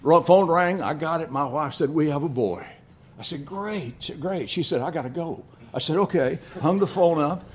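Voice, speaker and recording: A man's voice: on the high side, a little hiss or hum. An older man preaching a sermon, telling family stories with frequent restarts and chuckles. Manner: storytelling, halting with repeated restarts.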